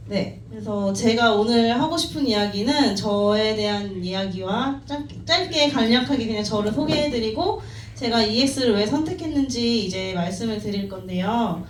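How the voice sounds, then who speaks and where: A woman's voice: a little high, lively intonation, moderate pace, hardly any pauses. A woman in her thirties tells her life story to an audience at a company meeting, in a modest, self-deprecating manner and with frequent light laughs. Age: 30s. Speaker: team member giving a talk at a company meeting. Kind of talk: personal story talk to an audience. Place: meeting room. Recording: echoey room, distant mic, faint noise.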